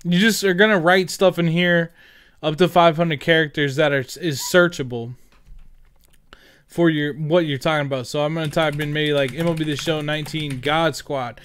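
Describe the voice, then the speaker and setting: Casual man with a clear, higher voice. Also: steady tone, normal speed, fairly bright tone. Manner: informal, rambling, thinking aloud while typing. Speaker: gaming content creator. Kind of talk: casual screen-recorded tutorial narration. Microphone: headset.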